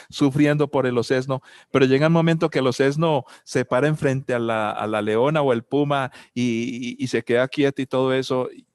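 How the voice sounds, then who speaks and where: A man's voice: mid-range voice, a little mellow, smooth, dry recording. A man with a Colombian accent giving a reflective talk on family and spirituality, asking many rhetorical questions and telling personal anecdotes.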